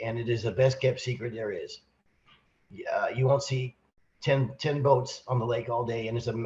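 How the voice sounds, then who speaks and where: A man co-hosting a casual podcast, hoarse from a cold, telling a rambling, animated story with many restarts. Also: mid-range voice, lo-fi sound, a little hiss or hum. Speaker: podcast co-host, sales manager.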